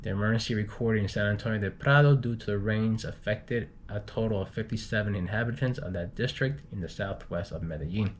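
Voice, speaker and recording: Low-voiced man haltingly reading news. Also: a little hiss or hum. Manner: halting reading with stumbles and repeats. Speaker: guest news reader, group moderator. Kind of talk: reading travel news, unpolished.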